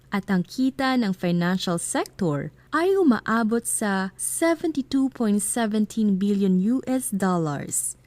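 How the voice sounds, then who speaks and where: Lively, mellow Filipino woman narrator. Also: a little high, dry recording. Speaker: voice-over narrator. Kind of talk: scripted explainer narration.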